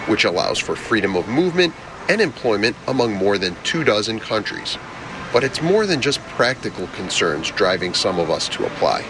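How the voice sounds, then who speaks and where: A man's voice: medium pitch, background noise. A man from Chicago with a Chicago accent, whose first language was Greek, delivering a personal, conversational scripted radio news report.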